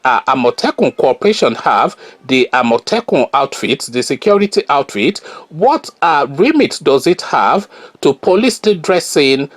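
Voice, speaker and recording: A middle-aged Nigerian man with a Yoruba accent giving scornful, argumentative solo commentary, pausing often on fillers. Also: medium pitch. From Nigeria, Oyo.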